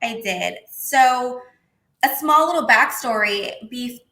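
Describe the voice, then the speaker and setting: A woman in her thirties with a high-pitched voice, talking in a casual, outspoken way as a guest on a video call interview. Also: slow pace. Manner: animated, outspoken, swears casually. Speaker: interview guest, former wrestler. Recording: echoey room.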